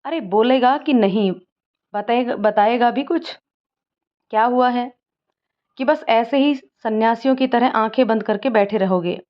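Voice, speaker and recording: A woman's voice: on the high side, moderate pace, natural voice. A woman voicing a young man who teases and presses his friend, on a slightly dull recording. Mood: teasing.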